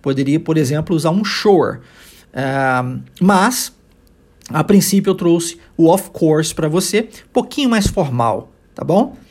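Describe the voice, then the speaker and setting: A man with a Brazilian Portuguese accent teaching an English lesson, explaining patiently and modeling phrases slowly for his students to repeat. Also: a little high, lively intonation, darkish tone.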